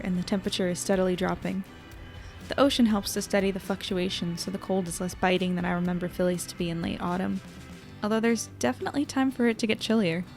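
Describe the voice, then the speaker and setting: A woman's voice: medium pitch, gravelly, darkish tone, lightly acted. A woman playing an upbeat young reporter who narrates a chatty audio journal in an audio drama. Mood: cozy, observant. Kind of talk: conversational first-person audio drama narration.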